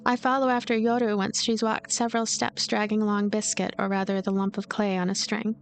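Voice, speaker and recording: A woman's voice: medium pitch, little pitch movement, fairly quick. A woman reading story narration aloud from a visual novel as a let's player. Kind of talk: expressive scripted narration. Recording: music behind the voice. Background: game music.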